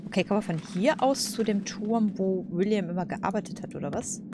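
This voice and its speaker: A woman's voice: medium pitch, brisk, background noise. A woman doing casual let's play commentary, colloquial and hesitant as she thinks aloud.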